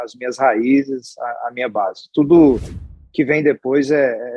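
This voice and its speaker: A man in his forties from Goiás, Brazil, with a Goiás accent, chatting as an interview guest and telling his life story in a relaxed, rambling way. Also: mid-range voice, husky, lo-fi sound. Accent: Goiás Brazilian Portuguese. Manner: chatty and storytelling, with many restarts and tag questions. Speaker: guest, hospital executive. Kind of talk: casual interview conversation.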